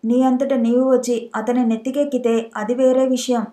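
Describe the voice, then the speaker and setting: A woman's voice: a little high, little pitch movement, moderate pace, dark tone, natural voice. Proud young heroine, as a woman narrator reads her. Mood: insistent. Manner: indignant, insistent. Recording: echoey room.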